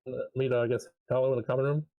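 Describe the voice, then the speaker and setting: A man's voice: mid-range voice, flat delivery, very fast, no echo, narrow, tinny audio. A man playing a tabletop game, easygoing, speaking in short plain sentences. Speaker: player. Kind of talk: casual play at a tabletop game.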